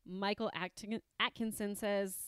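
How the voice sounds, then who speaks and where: A woman's voice: medium pitch, steady tone, unhurried, a bit bright, clean tone, dry recording. A woman with a middle-range voice hosts a casual film podcast. She reads listener replies in a friendly, plain way. The sound is close and dry. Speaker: podcast co-host.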